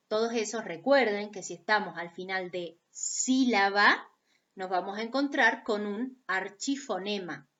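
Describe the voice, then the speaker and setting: A woman teaching a recorded lesson on phonetics, explaining slowly, repeating key points and checking in with her students. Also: mid-range voice, fairly bright tone, muffled recording.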